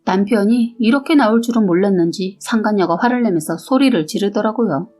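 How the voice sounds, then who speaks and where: A woman narrating a first-person story aloud in a steady storytelling manner. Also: medium pitch, fairly quick, faint music behind. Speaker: story reader.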